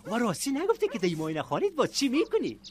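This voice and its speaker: A folksy, good-hearted village man with an Afghan accent, gushing blessings in colloquial speech. His delivery swings widely in pitch, over faint noise, in radio drama style. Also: wildly swooping pitch, full character voice. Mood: effusive, admiring. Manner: effusive, colloquial, repeats pet phrases.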